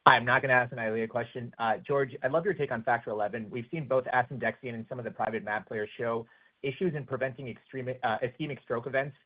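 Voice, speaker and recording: Very fast-talking male analyst, phone line. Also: mid-range voice, steady tone. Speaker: financial analyst asking questions. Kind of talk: earnings call question.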